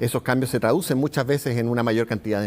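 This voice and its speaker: Ordinary pitch variation marks this man's speech at a medium pitch. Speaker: geriatrician. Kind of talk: TV interview. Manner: formal.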